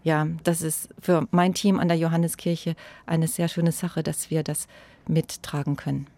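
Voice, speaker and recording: A woman pastor, speaking in a thoughtful, measured way in an interview and growing animated when she stresses a point. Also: deep voice, no room sound. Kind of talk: interview conversation.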